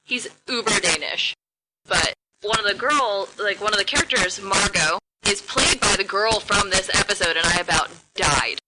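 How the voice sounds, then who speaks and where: A woman co-hosting a podcast, chatting casually and rambling in quick bursts. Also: mid-range voice, heavy background noise. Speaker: podcast co-host. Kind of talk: casual chat.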